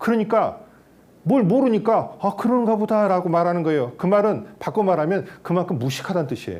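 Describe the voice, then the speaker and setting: A man's high-pitched voice, animated in tone, with lively intonation at a fairly quick pace and audible room echo. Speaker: pastor. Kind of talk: lecture. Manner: fast.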